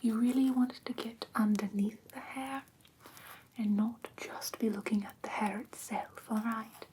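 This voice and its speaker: A woman playing a gentle, prim vampire teacher in whispered ASMR roleplay, breathy and careful, close to the microphone. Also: a little high, steady tone, unhurried, background noise, natural voice. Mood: calm, attentive. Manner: soft, careful, instructive, politely formal. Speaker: ASMR performer.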